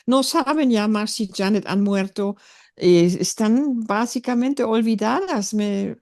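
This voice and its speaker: An older woman, German by birth and first language, talks reflectively with frequent pauses and fillers. Her voice sits at an ordinary pitch. The recording is dry, with little room sound. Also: a little mellow, no echo. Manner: thoughtful, hesitant, many fillers. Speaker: author being interviewed. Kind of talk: reflective interview conversation.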